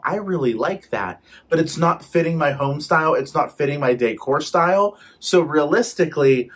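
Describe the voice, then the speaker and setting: A man's voice: medium pitch, fairly bright tone, breathy edge. A young man chatting casually as he reviews home fragrance products, talking with his hands at a desk in his living room. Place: living room with shelves behind.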